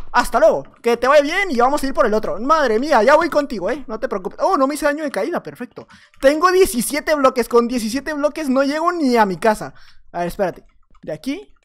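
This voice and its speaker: A man with a Mexican accent giving playful, jokey gameplay commentary, swinging between loud excited outbursts and low mumbles. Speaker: gaming YouTuber.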